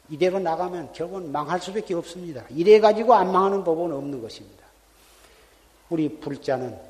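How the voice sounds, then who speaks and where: Monk giving a dharma talk, kinda high voice, long echo in the temple hall. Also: male voice, darkish tone. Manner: earnest, repetitive teaching with rhetorical questions. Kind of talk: sermon.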